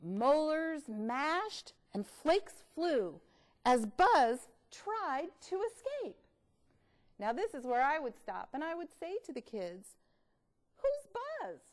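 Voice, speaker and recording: A woman presenting read-aloud tips in an expressive, instructional way, with deliberate emphasis. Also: high-pitched. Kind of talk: instructional talk with storybook reading.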